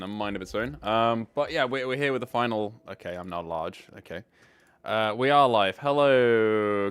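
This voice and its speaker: Male streamer, low clear voice, loose rambling chat over faint music. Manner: rambling, fixing tech while talking. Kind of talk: casual live stream chat.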